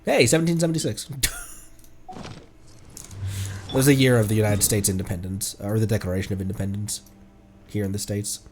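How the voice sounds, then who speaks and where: A man's voice: lowish voice, brisk, long pauses, darkish tone, a little hiss or hum. A man streaming a video game with casual, jokey live commentary. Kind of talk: casual live game commentary mixed with acted dialogue reading.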